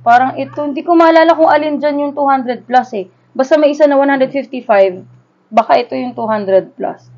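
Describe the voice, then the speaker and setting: A high-pitched, darkish-toned Filipino woman in her thirties talks a little fast as she opens a collectible on camera. Her Taglish chatter is informal, conversational, and full of nostalgia. Dull lo-fi audio.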